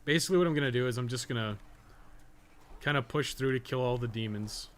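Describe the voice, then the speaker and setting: A man's voice: mid-range voice, fast, fairly bright tone. A man giving casual live gameplay commentary, thinking aloud in a rambling, sweary way with jokey asides. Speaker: video game streamer, podcast co-host. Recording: clearly noisy background.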